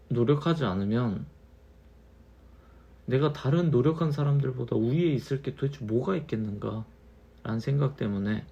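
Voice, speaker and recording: A man in his thirties, a little tipsy from wine, musing slowly in a casual monologue and repeating his phrases. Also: mid-range voice, vocal fry, mellow, highs cut off. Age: 30s. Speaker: channel host.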